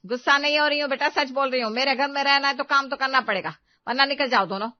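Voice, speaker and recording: A woman's voice: high voice, fast, dry recording, lo-fi sound, close to an everyday voice. A woman voicing a strict, bossy middle-aged mother-in-law in a cartoon story. She scolds and gives orders. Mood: scolding. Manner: scolding, commanding. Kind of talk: Hindi cartoon story voice acting.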